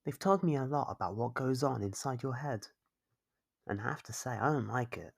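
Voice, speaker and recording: Voicing an obsessive stalker for ASMR roleplay, the actor sounds husky and gravelly at mid pitch, expressive and in a scolding, possessive mood. The captor is smug and doting, coaxing, chiding and lingering over little teasing questions.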